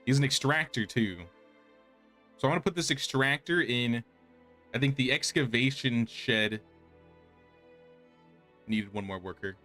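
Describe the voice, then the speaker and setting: A man's voice: mid-range voice, a little slow, long pauses, sharp tone. A man giving casual, rambling gameplay commentary as a streamer, thinking aloud as he goes. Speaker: game streamer. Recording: game music behind. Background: game music.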